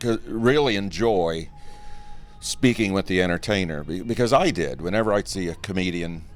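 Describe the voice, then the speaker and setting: Backed by music, a man with an American accent and a very deep, low pitch talks at a fairly quick pace. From US Midwest, Dayton, Ohio. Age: 60s. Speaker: stand-up comedian. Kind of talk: casual interview. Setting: aboard a cruise ship.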